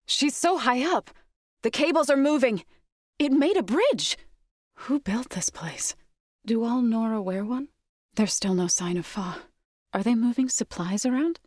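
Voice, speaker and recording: Joven guerrera tribal, solemne, grabación seca. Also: female voice, on the high side, lively intonation, unhurried, dry recording, studio quality. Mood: urgent, alert, then wary, questioning. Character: earnest young tribal woman warrior, grave and devout. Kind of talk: video game character voice acting.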